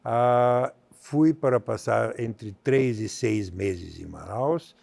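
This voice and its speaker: Older bulgarian guy on a talk show stage, slow and halting, lots of uhs, gravelly, dry sound. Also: medium pitch, darkish tone, dry recording. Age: 70s. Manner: measured, halting with many fillers. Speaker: guest. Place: theater stage.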